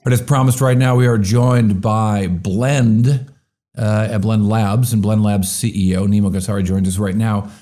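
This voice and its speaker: Mellow, low-voiced chatty male host. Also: steady tone, moderate pace, faint music behind. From US Midwest. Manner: chatty, opinionated, lots of fillers. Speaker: show host. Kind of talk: business talk show hosting.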